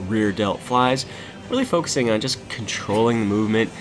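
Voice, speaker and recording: Music plays in the background as a man of medium pitch talks at a moderate pace with ordinary pitch variation. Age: 30s. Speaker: fitness coach. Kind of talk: workout voice-over narration.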